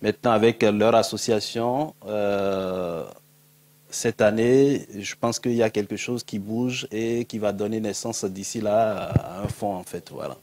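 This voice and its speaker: A man in his thirties speaks on a panel stage through a handheld mic. His voice is fairly low, and he talks hesitantly, filling gaps and letting sentences fade out. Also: fairly even intonation, a little slow, darkish tone. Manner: hesitant, many fillers, trailing off. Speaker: panelist, film fund organizer. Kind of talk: panel discussion. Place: indoor stage at a public panel.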